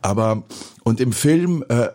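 A man's voice: mid-range voice, expressive, a little slow, mellow. A man, a filmmaker speaking reflectively with many hesitations in an interview. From Geneva, Switzerland. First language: French. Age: 40s. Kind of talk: personal interview.

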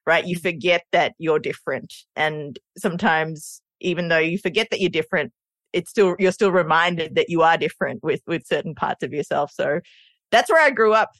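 A woman's voice: sits low, moderate pace, no echo. A woman from Sri Lanka, raised in Australia, with an Australian accent, telling stories as a podcast guest and acting out what people said. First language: Sinhala. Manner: animated storyteller, laughs often, acts out quotes. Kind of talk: casual interview chat.

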